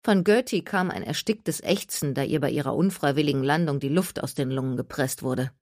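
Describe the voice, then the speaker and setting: A woman narrating an audiobook in even, clear storytelling. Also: deep voice, a little fast, no room sound, clean studio sound.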